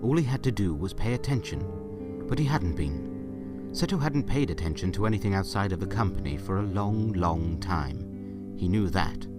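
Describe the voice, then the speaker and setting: A man narrating a scripted story in a dramatic, expressive storytelling style. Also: low-pitched, moderate pace, music in the background. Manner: expressive, theatrical.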